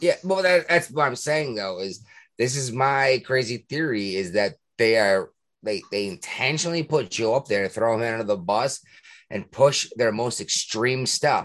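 In a Boston accent, a man talks at a fairly slow pace with medium pitch and lively intonation. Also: quiet background. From Boston, Massachusetts. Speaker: podcast host. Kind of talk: casual chat.

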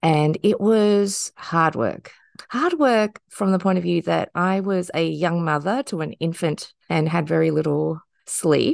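A woman speaks fairly slowly in a fairly low pitch, with ordinary pitch variation. The background is quiet, and the sound is dry and close with no echo. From Australia. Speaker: radiologist. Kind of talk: prepared talk.

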